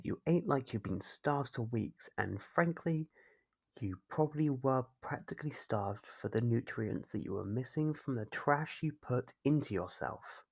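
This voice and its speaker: Man playing a slow, gravelly, possessive yandere captor. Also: mid-range voice, expressive, exaggerated voice. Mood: fussy, doting. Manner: measured, formal, fussily solicitous. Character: possessive, doting yandere kidnapper, calmly controlling. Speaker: voice actor. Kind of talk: ASMR roleplay monologue.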